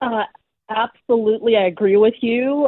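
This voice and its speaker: A woman uses a plain, everyday voice, talking at a moderate pace with ordinary pitch variation and a fairly high pitch. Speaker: physician, guest. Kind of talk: radio interview.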